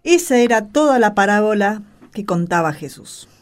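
A woman's voice: mid-range voice, animated, normal speed, faint music behind. A woman with an Argentine accent, presenting on a radio drama in scripted, explanatory dialogue.

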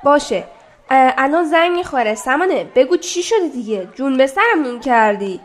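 An actress playing a chirpy, quick-witted young woman on crutches in a radio drama. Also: high voice, very animated.

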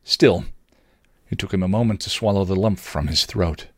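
A man's voice: sits low, moderate pace, no echo, studio quality. A man narrating a scripted story expressively, as a reader of fan fiction.

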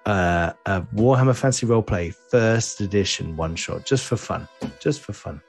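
Man, game player, easygoing and keen, soft music behind. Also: fairly low pitch, normal speed, vocal fry. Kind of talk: casual chat.

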